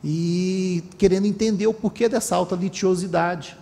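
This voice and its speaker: A man in his thirties from Brazil giving a formal seminar speech at a panel table, measured, with frequent restarts. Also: high voice, steady tone, gravelly, dark tone. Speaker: panel speaker, council member. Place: conference room with panel table. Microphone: table microphone. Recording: long hall reverb, faint room noise.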